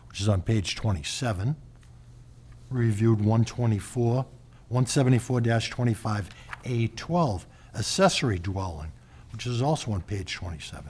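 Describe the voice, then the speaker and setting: A man's voice: lowish voice, warm tone, a little hiss or hum. A man explaining findings formally as a board member at a public meeting in a small room.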